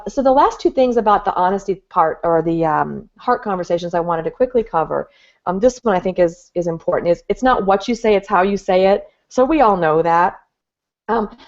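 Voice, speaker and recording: Gentle woman coach, lo-fi sound. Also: mid-range voice. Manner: gentle, earnest, explaining with examples. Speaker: guest expert, relationship coach. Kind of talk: webinar teaching talk. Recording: dull lo-fi audio.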